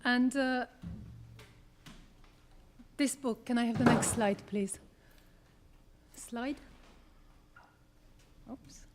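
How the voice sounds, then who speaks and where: A woman from Hungary, presenting her book as a dramaturg in a measured public talk with frequent hesitations, holding a microphone. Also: a little high, steady tone, noisy background. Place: theater event space. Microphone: handheld microphone.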